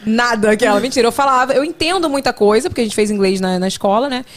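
A woman's voice: fairly high pitch, fast talker. A young woman hosting a podcast, telling stories with a joking, teasing manner. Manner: joking, teasing, animated storytelling. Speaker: podcast host. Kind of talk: casual chat.

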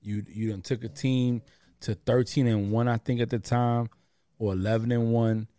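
Animated slangy man, dry close sound. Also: mid-range voice, moderate pace, dry recording. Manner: animated, slangy, repeats words. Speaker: podcast host. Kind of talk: casual sports chat.

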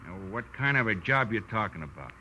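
An actor playing a sour, shifty old shopkeeper in a 1940s radio detective drama, gruff and slangy. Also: male voice, fairly low pitch, very animated, brisk, pushed and bright, dull audio, exaggerated voice. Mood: defensive. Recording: noisy old radio recording.

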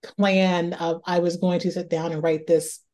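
A woman author from Northeast Ohio talks through her ideas in an interview. Her voice sits a little low and sounds mellow and relaxed. She thinks aloud, often repeating a word before going on. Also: a little slow. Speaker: author guest. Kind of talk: reflective interview conversation.

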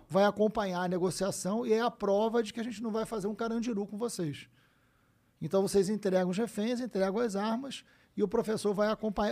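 A man, telling stories as a guest in a casual conversation, animated and full of swearing. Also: high voice. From Brazil. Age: 50s. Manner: animated storyteller, frequent swearing and "né?" tags.

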